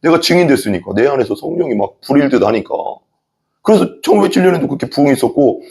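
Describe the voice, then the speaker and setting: Male pastor, mid-pitched and gravelly, earnest storytelling sermon with emphatic repeats, church setting. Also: lively intonation, fast talker, dark tone.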